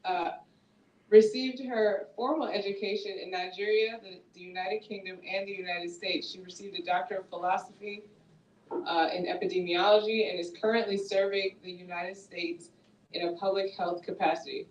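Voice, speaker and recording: A woman's voice: medium pitch, fairly even intonation, normal speed, muffled recording, slight background noise. A woman hosting a small book event, upbeat and laughing as she introduces the author. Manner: upbeat, laughs often, reads the bio. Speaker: event host. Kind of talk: introducing a guest speaker. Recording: echoey room from a distance.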